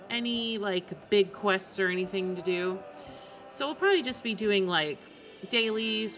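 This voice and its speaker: A woman streamer talks casually at a medium pitch over game music. She rambles informally and thinks out loud as she plays. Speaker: video game live streamer. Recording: music behind the voice. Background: video game music.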